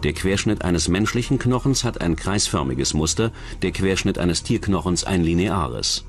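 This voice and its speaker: Male narrator for scripted crime documentary, animated delivery, low register. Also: moderate pace. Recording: music bed under the voice.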